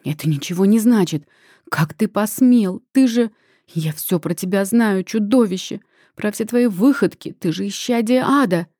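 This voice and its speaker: A woman's voice: mid-range voice, measured pace, hardly any pauses, warm tone, dry recording, studio quality, close to an everyday voice. A woman reading an audiobook, voicing a hysterical middle-aged mother who screeches accusations in a trembling voice. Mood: shrill outrage.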